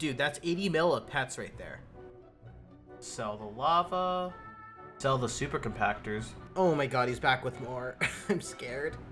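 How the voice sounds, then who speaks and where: Fairly high male voice, lively in intonation, at a fairly slow pace with long, frequent pauses over background music. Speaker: gaming YouTuber. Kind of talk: casual gameplay commentary.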